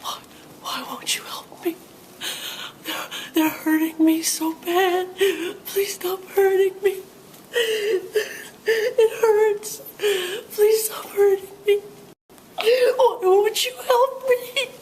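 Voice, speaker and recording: A woman's voice: fairly even intonation, extremely slow, darkish tone, a little hiss or hum, full character voice, poor audio. A woman voicing a terrified, orphaned baby elephant that sobs and wails for its mother. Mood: pleading pain. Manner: sobbing, wailing, high-pitched pleading.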